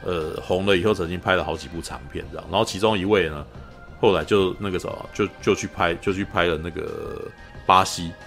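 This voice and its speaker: A man hosting a podcast, retelling a film in animated casual chat and often asking his listeners whether they follow. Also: sits low, fairly quick, faint music behind. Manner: animated storyteller, keeps asking "you know?". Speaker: podcast host.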